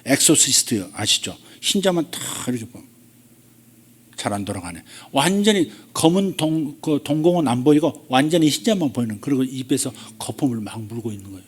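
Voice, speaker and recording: A man preaching as a pastor, moving from quiet storytelling to loud, drawn-out declarations and prayer. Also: medium pitch, expressive, breathy edge. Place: church sanctuary.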